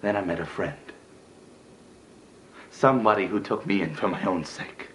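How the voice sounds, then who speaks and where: A man performing a dramatic stage monologue as a bitter, jealous elder brother, sarcastic and emotional, moving between hushed delivery and outbursts. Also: lowish voice, very animated, moderate pace, a little hiss or hum. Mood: wounded.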